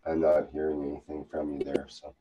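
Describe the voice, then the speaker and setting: A man's voice: a bass voice, completely flat delivery, brisk, dull audio. A man moderating an online panel, polite and orderly, calling on speakers in turn. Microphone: video call.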